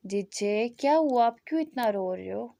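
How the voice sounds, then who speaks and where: A woman voicing a young man, a protective younger brother who soothes and pleads gently in a told story. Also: a little high, expressive, normal speed, vocal fry. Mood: soothing. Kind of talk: storytelling fan fiction.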